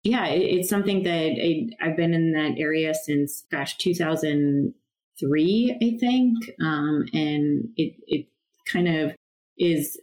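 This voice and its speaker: A woman's voice: low-pitched, a little mellow, rough recording. A woman from northern Minnesota answering questions casually as a podcast guest. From northern Minnesota, United States. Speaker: podcast guest, nonprofit founder.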